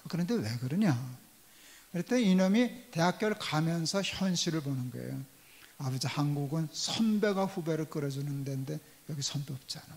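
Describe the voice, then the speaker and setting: Older male pastor, somewhat high voice, storytelling sermon, long church reverb. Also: lively intonation, moderate pace. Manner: storytelling, acting out quoted dialogue. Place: church sanctuary.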